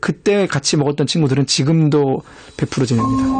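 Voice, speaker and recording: Close and dry with no echo, a man's fairly high pitch moves with ordinary variation as he speaks at a fairly quick pace. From North Korea (Pyongyang). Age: 30s. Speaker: North Korean defector, interviewee. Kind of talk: interview testimony.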